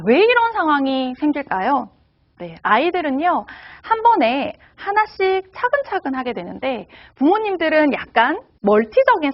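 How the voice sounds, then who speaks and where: A woman's voice: high voice, dull audio. A woman giving a lecture to parents, asking the audience rhetorical questions.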